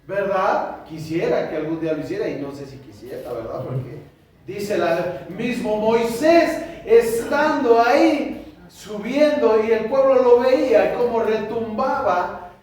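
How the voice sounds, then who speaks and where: A man with a Mexican Spanish accent preaching a sermon as pastor, animated, acting out conversations with shifting voices. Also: high voice, measured pace. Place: church sanctuary. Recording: echoey church hall, distant mic, faint noise.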